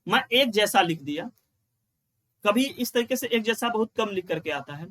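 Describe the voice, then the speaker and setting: A man with a high voice teaches an exam-prep grammar lesson. He explains step by step, repeats the key lines and answers his own questions as he writes on the board. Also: animated, bright, forceful tone. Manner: chants rules in a slow sing-song.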